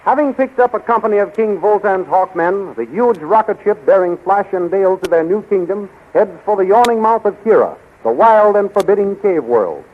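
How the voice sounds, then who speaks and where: A man's voice: sits high, expressive, normal speed, hardly any pauses. A man narrating a 1930s radio adventure serial as announcer, in formal, dramatic scripted declamation. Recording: tinny, faintly noisy 1930s radio recording.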